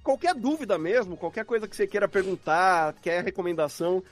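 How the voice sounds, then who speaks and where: A man with a Brazilian Portuguese accent, an audio drama producer, chats casually as a guest in a live podcast interview. His voice sits high and moves briskly, with soft music playing in the background.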